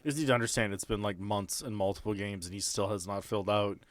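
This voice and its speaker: A man's voice: lowish voice, fast talker, no echo. A man casually narrating a tabletop role-playing game as game master.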